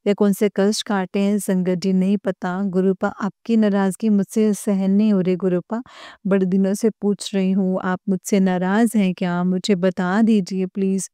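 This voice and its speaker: A woman's voice: mid-range voice, dark tone, clean tone, no room sound, studio quality. A woman from Uttarakhand with a slightly sore throat, earnestly recounting a dream to her congregation in a casual, filler-heavy way. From Uttarakhand, India. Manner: earnest, addresses listeners as congregation, many fillers. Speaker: devotee sharing a dream. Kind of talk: casual spoken testimony.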